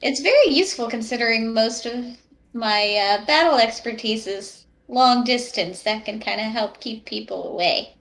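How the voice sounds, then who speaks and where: Higher-pitched woman tabletop player. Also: moderate pace, a bit bright. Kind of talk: casual in-game roleplay chat.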